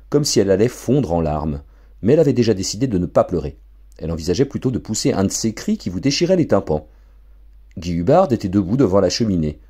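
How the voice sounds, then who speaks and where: A man narrating a storybook for an audiobook in an expressive, theatrical way. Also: sits low, breathy edge. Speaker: audiobook reader.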